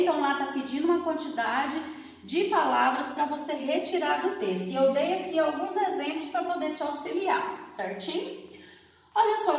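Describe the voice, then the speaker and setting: A woman with a Brazilian Portuguese accent, a primary school teacher, slowly explaining a grammar lesson for children and enunciating each word with care. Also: high voice. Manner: slow, drawn-out, over-enunciated explanation with frequent check-ins. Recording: echoey room, distant from the mic.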